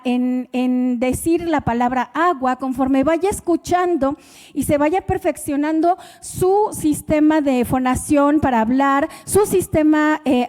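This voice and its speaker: Mexican woman preacher, high warm voice, chatty sermon, reverberant church hall. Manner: conversational, asks the congregation questions.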